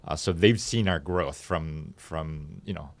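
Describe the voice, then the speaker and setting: A man speaking as an interview guest and startup founder, explaining his business in a conversational, halting and measured way in a studio. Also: rumbling low, creaky, no room sound.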